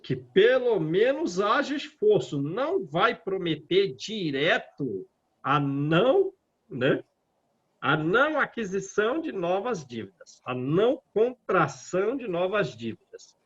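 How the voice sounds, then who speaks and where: Slow, lively Brazilian man. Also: high voice, husky. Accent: Brazilian Portuguese. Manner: slow and reflective, rereads passages aloud, asks "né?". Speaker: Spiritist study group leader. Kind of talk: reading and commenting on scripture. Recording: dull lo-fi audio.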